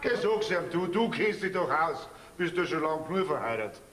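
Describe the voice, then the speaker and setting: A jovial old Bavarian farmer grandfather who teases the young couple in a folksy, fairly high voice. He speaks from a theatre stage with a roomy, long reverb around him. This is stage folk comedy. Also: very animated, moderate pace, fairly bright tone. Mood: coaxing. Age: older. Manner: teasing, folksy.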